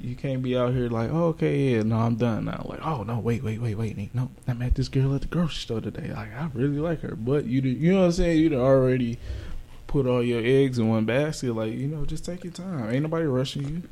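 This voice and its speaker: A man's voice: mid-range voice, a little fast, dark tone. A young man co-hosting a podcast in casual chat, laid-back, teasing and profane. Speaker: podcast co-host.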